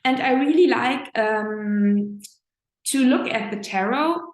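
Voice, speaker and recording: A woman with a German accent, a German native speaker, giving a reflective spiritual talk as an astrologer, pausing to search for words. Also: on the high side. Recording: echoey room.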